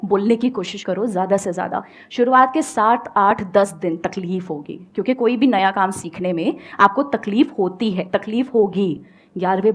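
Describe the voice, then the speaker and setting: A woman with an Indian accent giving an emphatic motivational talk on stage, switching between Hindi and English. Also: mid-range voice. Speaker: guest speaker.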